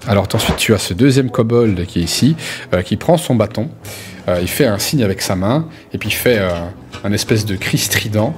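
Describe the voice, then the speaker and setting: A man's voice: lowish voice, lively intonation, moderate pace. A man improvising narration as game master of a tabletop role-playing game, in a hesitant, conversational way.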